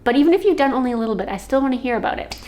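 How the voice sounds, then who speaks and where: A woman's voice: high-pitched, expressive, rapid-fire, a little mellow. A young woman born in Slovakia, a native Slovak speaker, telling a rambling personal story as a vlogger, with many fillers. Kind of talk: casual storytelling.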